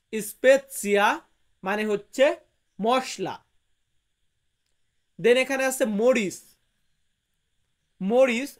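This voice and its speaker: Man teaching vocabulary slowly. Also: sits high. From Bangladesh. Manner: slow, repeats each word and its meaning with emphasis. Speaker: language teacher. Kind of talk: vocabulary lesson for viewers.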